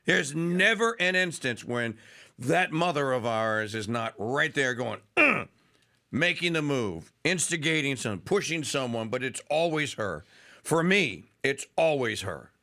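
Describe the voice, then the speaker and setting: A man's voice: mid-range voice, animated, a little slow, pushed and bright. A man hosting a radio talk show, chatting casually and emotionally with a caller. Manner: emotional, laughing, rambling.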